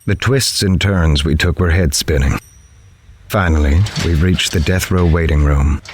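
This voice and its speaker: An actor playing a grave, observant newspaper reporter, narrating a horror audio drama in the first person in a measured, literary way. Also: male voice, a bass voice, noisy background. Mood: somber. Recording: music behind the voice.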